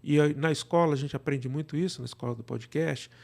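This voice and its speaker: Higher-voiced middle-aged Brazilian man. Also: fast, creaky, a little mellow. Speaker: guest, director and cultural producer. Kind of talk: casual conversational interview.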